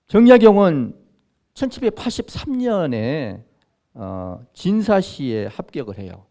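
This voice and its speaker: An older man in his sixties lectures on history to a live audience. His delivery is animated, his pitch swinging widely as he checks in with listeners. The voice is warm and mellow rather than bright. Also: unhurried. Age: 60s. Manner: conversational, asks the audience questions. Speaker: Jesuit priest lecturer. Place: lecture room.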